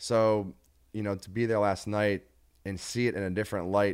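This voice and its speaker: An ordinary speaking voice from a man, fairly low in pitch and fairly even in intonation, with an American accent on a very clean recording with a silent background. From Ohio. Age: 30s. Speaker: music video director. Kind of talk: casual chat. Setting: living room.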